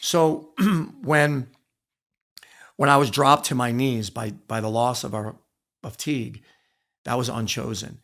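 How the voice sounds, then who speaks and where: Middle-aged man, American accent, mid-pitched gravelly voice, earnest, emphatic, reflective storytelling, repeats phrases. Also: fairly even intonation, slow, long pauses, fairly bright tone. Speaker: podcast guest, author and former wrestler. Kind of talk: reflective personal storytelling in an interview.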